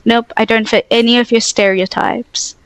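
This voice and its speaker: A young woman from Tanzania with a mostly American accent tinged with Australian and English, telling stories in a talkative, animated way as a guest in a casual interview. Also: fairly high pitch, moderate pace, no echo, poor audio. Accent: mostly American with Australian and English touches. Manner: talkative, animated storytelling with many "like" fillers.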